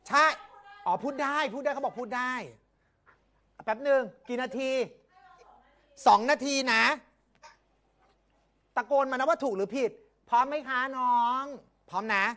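A young woman hosting a live fan stream, teasing and guessing words loudly in a casual game. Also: sits high. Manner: lively, teasing, guessing loudly with quick laughs.

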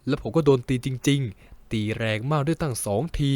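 A young man narrating a novel in the first person, with lively storytelling and wry asides. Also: medium pitch, moderate pace, no echo. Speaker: audiobook narrator.

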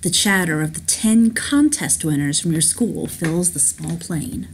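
Low-voiced chatty woman gamer. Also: animated, unhurried, husky. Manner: chatty, enthusiastic, giggly, with restarts. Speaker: let's play host. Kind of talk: casual game commentary and reading aloud. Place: home, at a laptop.

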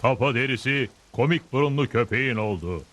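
A man playing a proud, blunt Native American chief in a Turkish cartoon dub, making slow, solemn declarations. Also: mid-range voice, lively intonation, close to an everyday voice. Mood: grave. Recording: music behind the voice.

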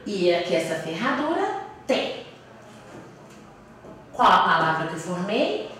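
A Brazilian primary school teacher, a woman, slowly explaining a lesson for young children and sounding out syllables. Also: fairly low pitch, sing-song, fairly bright tone, a little hiss or hum. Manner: slow, patient, sounds out syllables. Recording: echoey room, voice from a distance.

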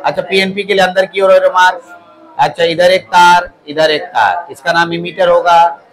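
A man's voice: high-pitched, level tone, normal speed, a bit bright. A male polytechnic teacher giving a classroom lecture, repeating key words back to his students as questions. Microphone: clip-on mic at the waist.

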